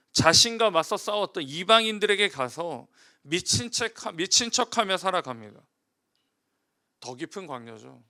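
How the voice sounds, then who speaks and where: A male pastor giving a sermon, asking the congregation rhetorical questions and moving between emphatic, louder passages and quiet, hushed ones. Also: sits high.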